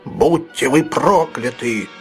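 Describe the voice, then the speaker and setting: A man voicing a brutal, desperate male robber with a slow, threatening delivery. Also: mid-range voice, faint music behind, lightly acted.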